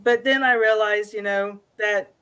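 A woman guest describing her paranormal investigation experiences in casual conversation, pausing often with fillers. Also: mid-range voice, steady tone, bright, forceful tone, smooth. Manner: hesitant, many fillers.

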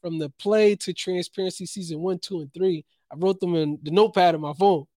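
Young jersey guy on a podcast, pretty high voice, rambles, slangy and upbeat. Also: a little fast, no echo, studio quality. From New Jersey. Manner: animated, rambling storyteller, slangy. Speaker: podcast co-host, playwright. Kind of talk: casual podcast chat. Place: Los Angeles.

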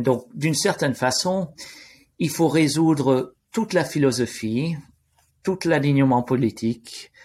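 Halting man with a foreign accent, creaky voice. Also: medium pitch. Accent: foreign accent in French. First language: not French. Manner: halting, searching for words, repeating and rephrasing. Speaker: interview guest, AI risk expert. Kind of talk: unscripted explanation in an interview.

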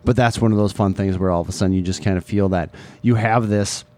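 A man's voice: fairly low pitch, fairly even intonation, quick pace, mellow. A middle-aged man with a Midwestern US accent, co-hosting a casual chat in a chatty, teasing, rambling way. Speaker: podcast co-host, parent.

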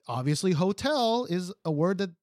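A man co-hosting a podcast in casual chat, animated and jokey, laughing often. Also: high voice, normal speed, no room sound, clean studio sound. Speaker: podcast co-host. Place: Seoul, South Korea.

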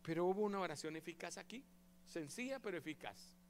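A man preaching a sermon as pastor, lively and acting out the prayers he describes. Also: high-pitched, fast, a little hiss or hum. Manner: animated, acts out quoted prayers and voices.

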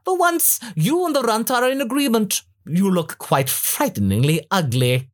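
A man voicing a smug, cruel alien male tyrant, speaking in a pompous, drawn-out, high voice. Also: animated. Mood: gloating.

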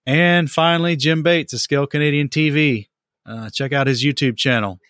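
A man's voice: on the high side, normal speed, fairly bright tone, no echo, studio quality. A man hosting a hobby podcast, chatting in an upbeat, casual way with frequent fillers. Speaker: podcast host.

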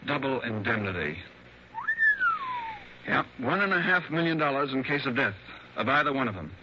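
A man's voice: mid-range voice, big pitch swings, moderate pace, close to an everyday voice. An actor playing a jovial, chummy male insurance executive with knowing asides, in a 1960s radio drama. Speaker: insurance company man. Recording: dull old radio broadcast with faint hiss.

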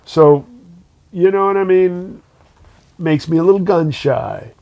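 Gravelly-voiced man in casual chat. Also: high voice, slow, lo-fi sound. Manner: rambling, restarts often, many "you know"s. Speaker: podcast co-host, working musician.

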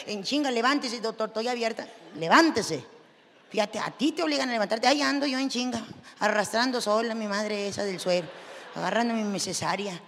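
A Mexican woman with a fairly high voice tells a comic story, crude and sarcastic in her delivery. The words echo through a large hall. Faint noise hums behind her. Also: a bit bright. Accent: Mexican Spanish.

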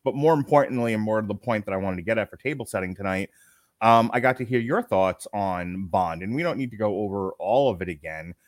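A man's voice: lowish voice, fast, dry recording, clean studio sound. A man hosting a podcast, chatting casually in a jokey, rambling way. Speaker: podcast host. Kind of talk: casual chat.

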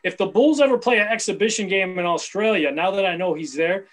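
Combative fifty-something man, high voice. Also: fast, a bit bright. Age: 50s. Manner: blunt, combative, boastful. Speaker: sports columnist guest. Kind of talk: heated casual sports chat.

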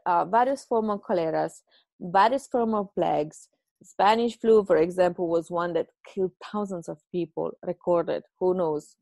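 Brief: Italian woman podcaster, gravelly low-toned voice, chatty and encouraging, dry close sound. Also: darkish tone, dry recording. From Italy. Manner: chatty, self-mocking, encouraging. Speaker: podcast host. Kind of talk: casual advice monologue. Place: home.

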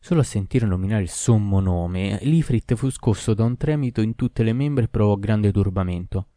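Guy reading a fairy tale out loud, low mellow voice, steady. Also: moderate pace, no echo. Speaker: storyteller. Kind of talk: storybook narration.

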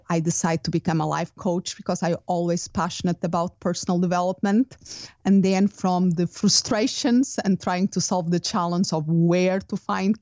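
A woman's voice: lowish voice, warm tone, no room sound. Portuguese-accented woman, dull remote audio. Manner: thoughtful, with restarts and non-native grammar. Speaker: guest, business coach. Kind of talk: casual interview talk.

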